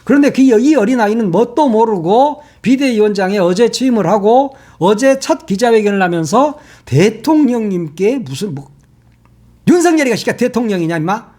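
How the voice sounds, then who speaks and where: A man hosting a casual political commentary monologue, heated and mocking, swearing freely and swinging between shouting and muttering asides. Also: sits high, lively intonation, moderate pace, hardly any pauses. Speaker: political commentary channel host.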